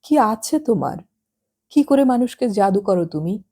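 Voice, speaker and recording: A tired, bitter young man, as a woman acts him out in an audiobook. He speaks quietly in brooding questions, with a mellow voice that rises a little as he presses on. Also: high-pitched, lively intonation, measured pace, voice pushed up. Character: weary, bitter young man, former boxer.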